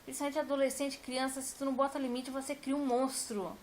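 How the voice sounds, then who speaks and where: A woman's voice: high voice, level tone, brisk, slight background noise. A woman, a teacher, talking casually and emphatically to her viewers and repeating her points. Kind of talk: casual talk to camera.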